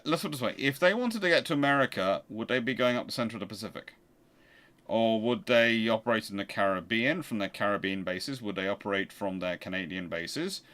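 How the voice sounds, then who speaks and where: With a lowish, slightly bright voice, a man hosting a naval history channel leads a casual live question-and-answer session. He argues his points emphatically through rhetorical questions.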